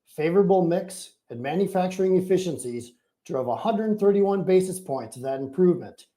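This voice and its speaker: A man's voice: a little high, mellow. A man, a company finance chief, formally and methodically reading a scripted financial report on an earnings call.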